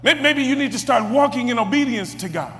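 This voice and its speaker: A preacher with a strikingly high voice gives an expressive sermon at a fairly quick pace, stumbling over and repeating words as he builds to shouts. A long echo follows his voice, as if in a large hall.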